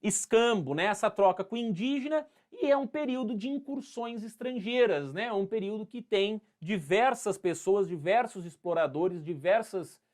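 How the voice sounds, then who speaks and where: High-voiced playful São Paulo history teacher. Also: male voice, expressive, normal speed, hardly any pauses, a little mellow. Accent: interior São Paulo. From Brazil. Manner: playful, talks to students by name, acts out scenes. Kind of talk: live online class.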